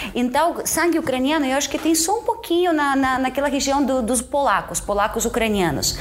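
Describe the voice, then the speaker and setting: With noticeable noise behind her, a woman in a Russian accent speaks at a moderate pace in a high-pitched voice. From Odessa, Ukraine (Russian-speaking). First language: Russian (speaking Portuguese). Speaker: entrepreneur and former TV personality. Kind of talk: interview.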